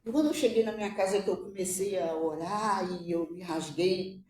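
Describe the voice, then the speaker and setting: A woman tells an emotional religious testimony in a halting way, repeating her words and tearful at times. Her voice is low and mellow. It sounds distant, in an echoey room. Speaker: mother giving a testimony.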